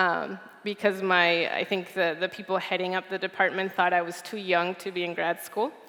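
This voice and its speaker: Over noticeable background noise, a woman with a Spanish accent talks at a moderate pace with hardly any pauses. Her medium-pitched voice has a monotone, flat intonation. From Colombia, raised in Florida. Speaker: designer and entrepreneur. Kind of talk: conference talk.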